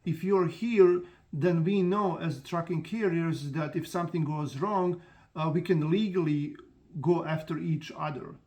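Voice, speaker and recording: A man with as a talks frankly to camera, pitched a little above most men. He rambles, trips over restarts and fills pauses with "uh" as he goes. His tone is casual and direct, like someone explaining his own business. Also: a little mellow. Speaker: trucking company owner and channel host. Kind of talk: casual vlog talk to camera.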